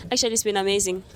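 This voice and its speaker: A young woman from Zimbabwe, answering interview questions in a thoughtful, soft-spoken way and laughing lightly now and then. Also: medium pitch. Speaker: interview guest. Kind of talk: casual conversational interview. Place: on a moving train.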